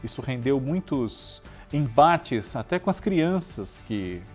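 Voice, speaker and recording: A man's voice: mid-range voice, sing-song, slow, faint music behind. A man with a Brazilian Portuguese accent hosting a tribute show, talking conversationally to viewers and often adding chatty tag questions. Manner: chatty, frequent tag questions seeking agreement. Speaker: show host.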